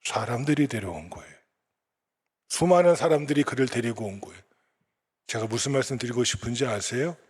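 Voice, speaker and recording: A man's voice: mid-range voice, lively intonation, fairly quick, pauses often, slightly rough, big-room sound. A male pastor with a Gyeongsang accent preaching a sermon and quizzing the congregation with repeated questions. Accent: Gyeongsang Korean.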